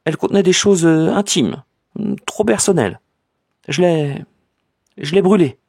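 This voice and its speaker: A man reading an audiobook, voicing a distraught, trembling society lady in a halting, tearful falsetto. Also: gravelly, darkish tone, breathy edge, no echo, clean studio sound, heavily acted. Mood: hesitant.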